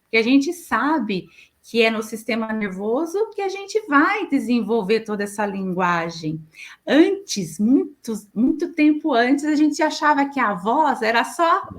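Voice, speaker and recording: A woman's voice: on the high side, big pitch swings, unhurried. A middle-aged Brazilian woman, a speech therapist, explaining patiently in an interview and giving examples.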